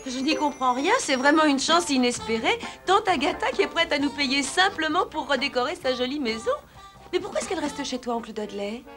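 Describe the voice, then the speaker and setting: A sweet young cartoon heroine with a high voice. She speaks in a gentle, coaxing and expressive way, as if fond of everyone around her. Music is clearly heard underneath. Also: a little fast. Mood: cheerful, puzzled. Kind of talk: French cartoon dubbing.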